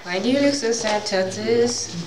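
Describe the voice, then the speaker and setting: A woman's voice: a little high, moderate pace, lightly acted. A young woman playing a sly, teasing serval, a bouncy wild cat, in a live audio drama with mock sympathy. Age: young adult. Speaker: amateur actor in an audio drama. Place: large wood-panelled conference hall, indoors. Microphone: microphone on a stand, filmed by camera. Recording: echoey hall, faint background noise.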